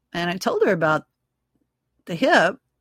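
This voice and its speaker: The voice belongs to a woman. Her sound is dry and close with no echo, on a very clean recording with a silent background. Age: 60s. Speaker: podcast host and massage therapist. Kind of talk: casual personal monologue. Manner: animated.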